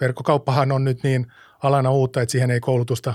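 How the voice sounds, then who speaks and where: A man with a slight Turku accent talks at a very fast pace in a monotone, flat intonation. His voice is somewhat breathy, and the recording is very clean with a silent background. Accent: slight Turku-type dialect in intonation. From Finland, Varsinais-Suomi (Alastaro). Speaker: online retail CEO. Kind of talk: podcast interview. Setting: studio.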